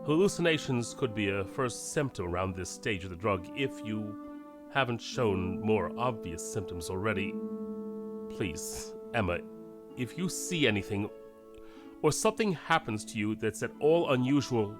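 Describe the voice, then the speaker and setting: Guy acting as worried scientist dad in an audio drama, low voice, careful and hesitant, music behind. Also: expressive, moderate pace, lightly acted. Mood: worried, earnest. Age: middle-aged. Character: anxious, protective scientist father with a secret.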